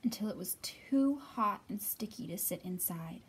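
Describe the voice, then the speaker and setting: A woman's voice: mid-range voice, expressive, moderate pace, slight background noise. A woman in her thirties hosting a storytime for young children, speaking expressively as she talks and reads aloud. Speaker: children's library storytime host. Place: library room with bookshelves, indoors.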